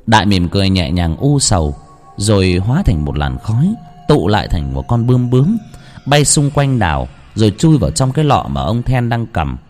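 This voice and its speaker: A man narrating a horror story in a slow, dramatic scripted style. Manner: slow, dramatic, lively pitch. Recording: long hall reverb, faint music.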